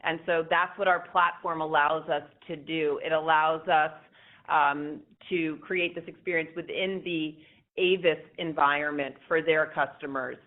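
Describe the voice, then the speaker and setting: A woman's voice: low voice, fairly even intonation, unhurried. A woman speaking as a company executive, answering questions on an earnings call in emphatic corporate phrasing. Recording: tinny phone-line conference call.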